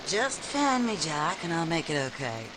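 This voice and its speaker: A man's voice: fairly high pitch, sing-song, moderate pace, very noisy. A man voicing a brassy, sarcastic small-business owner in 1940s radio drama style, snappy and brusque. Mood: wisecracking. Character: brassy, tough, sarcastic secretarial service owner Connie.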